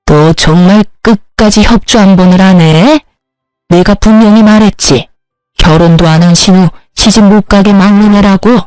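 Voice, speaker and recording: A woman's voice: mid-range voice, normal speed, a little mellow, clean tone, dry recording, soft background music, natural voice, low-quality recording. A woman voicing a domineering older mother-in-law who scolds and gives orders, in a storybook reading. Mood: angry. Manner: commanding, scolding.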